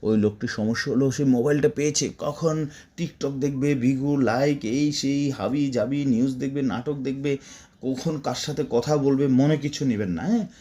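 A man's voice: mid-range voice, moderate pace, warm tone. A man teaching spoken Arabic to Bengali speakers, repeating words in drills and breaking off into chatty asides.

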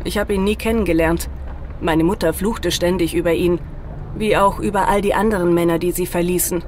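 A woman acting a caring young mother and daughter-in-law in a German audio drama, speaking gently, earnestly and insistently. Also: on the low side, steady tone, brisk, slight background noise, close to an everyday voice.

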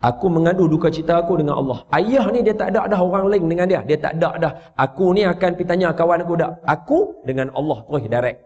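A man preaches, slipping into characters' voices as he tells a story and teases his listeners. His voice sits a little high. The sound is muffled and carries a long hall echo. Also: fast talker, hardly any pauses. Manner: lively storytelling, voicing characters and teasing the audience. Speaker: religious preacher. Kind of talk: mosque lecture. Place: large mosque hall. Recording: echoey dull hall recording.

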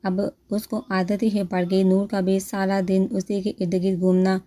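A woman narrating a romance novel aloud in a steady storytelling manner. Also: medium pitch.

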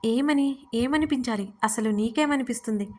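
A woman voicing an anxious, bossy young man who scolds loudly on a late-night phone call. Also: a little high, little pitch movement, fast talker, far from the mic, lightly acted. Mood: flustered. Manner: loud and scolding.

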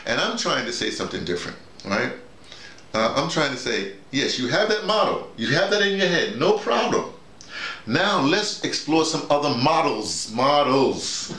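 A middle-aged man runs an informal audio drama workshop from a small, bare-walled bedroom, and the sound is roomy and echoey. His voice sits at medium pitch with lively intonation, a normal pace and a sharp tone. He drives his points home emphatically, repeating himself and acting out examples.

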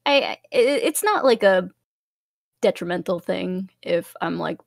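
Cute bubbly streamer lady, bit of vocal fry, rambly casual chat, close dry sound. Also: on the low side, animated, unhurried, dry recording. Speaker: VTuber and streamer guest.

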